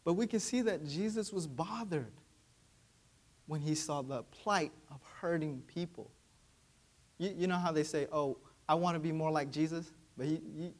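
A young man with Vietnamese as his first language, preaching a sermon in a conversational way and often asking "right?". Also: fairly high pitch. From Vietnamese American, raised in Georgia. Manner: conversational, frequent "right?" tag questions.

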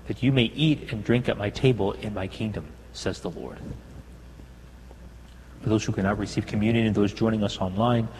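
A male priest reciting the Mass prayers in a large church, in a measured, solemn way. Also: on the low side, a little mellow. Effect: cathedral echo, long reverb. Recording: long cathedral reverb with a faint hum.

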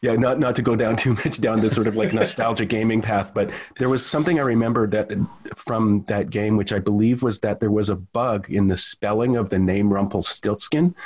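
A man's voice: on the low side, slightly rough. A man hosting an interview podcast, reading a scripted introduction and then chatting casually with many restarts. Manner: friendly, conversational, with many restarts. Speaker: podcast host.

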